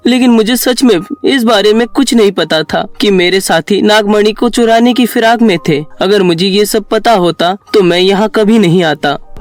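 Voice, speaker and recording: Dying young guy in love, voiced by a man, really high pitched, pleading n dramatic, cartoon story, light music. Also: a little mellow, lightly acted.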